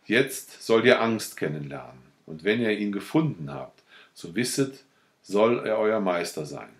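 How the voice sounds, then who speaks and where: A man's voice: on the low side, sing-song, unhurried. A man voicing a solemn primeval jungle god. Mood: solemn commanding. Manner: solemn, commanding. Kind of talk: audiobook reading.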